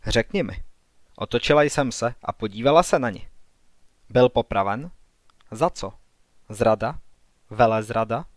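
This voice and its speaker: A man voicing a stern young woman, a prophetess, questioning a slave girl in a calm, firm manner for an audiobook. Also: medium pitch, pauses often, no room sound, clean studio sound, close to an everyday voice.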